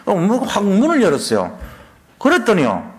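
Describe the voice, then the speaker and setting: A man preaching a sermon, animated, firing off rhetorical questions and acting out people's complaints. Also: high-pitched, moderate pace. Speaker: pastor. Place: church.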